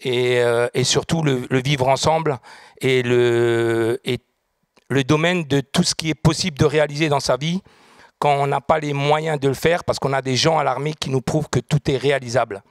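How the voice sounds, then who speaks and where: A man's voice: medium pitch, fairly even intonation, moderate pace, no room sound. A middle-aged man from France, answering a studio interview with many fillers and growing earnest as he speaks. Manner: hesitant, many fillers, grows more earnest. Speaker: guest, restaurant group founder. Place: studio set with audience. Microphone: handheld mic.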